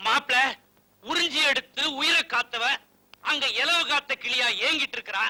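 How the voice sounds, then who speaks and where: Loud older father-in-law, very high voice, piercing, blustering. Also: moderate pace, heavily acted, rough recording. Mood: threatening. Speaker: film comedy character. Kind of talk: 1990s Tamil film comedy acting.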